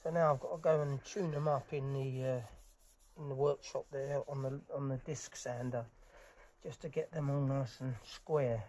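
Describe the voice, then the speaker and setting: A man's voice: mid-range voice, steady tone, normal speed, darkish tone. A man presenting a hands-on DIY tutorial in an informal way, talking as he works. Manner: informal, talking while working. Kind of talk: casual hands-on tutorial narration. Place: outdoors in a garden for part of it. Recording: noisy, clicks and handling sounds.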